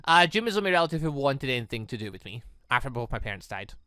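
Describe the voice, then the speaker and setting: Man reading as a subdued young huntress, quiet and measured. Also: medium pitch, sing-song, dry recording, studio quality, voice pushed down. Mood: subdued, apologetic.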